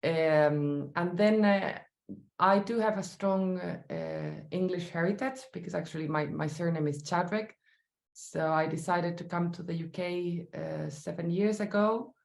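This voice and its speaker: A woman with a Chilean Spanish accent talks through her art in a low, measured voice. She pauses often and fills the gaps with small hesitations. The recording carries a clear room echo. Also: darkish tone. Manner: thoughtful, halting, many fillers. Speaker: sculptor guest. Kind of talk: interview answers. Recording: roomy echo.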